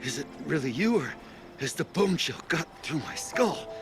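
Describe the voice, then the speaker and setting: High-pitched, dramatic tribal warrior man. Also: sing-song, moderate pace. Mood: weary, wry. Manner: emphatic, dramatic, pleading. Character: boastful, defiant tribal warrior man, condemned to exile. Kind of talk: video game voice acting. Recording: music behind the voice. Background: loud music.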